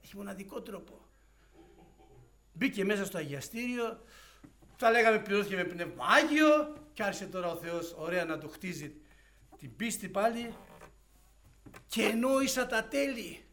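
A man preaching an evangelical sermon, shifting between hushed storytelling and loud fervent exclamations and acting out dialogue. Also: sits high, animated, long pauses, slight background noise. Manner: acts out dialogue in quoted voices.

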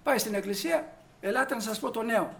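High-pitched guy preaching, tells stories n acts out the dialogue, gets emphatic. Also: creaky, a little hiss or hum. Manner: storytelling, acts out dialogue, rises to emphatic peaks. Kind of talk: sermon with anecdotes.

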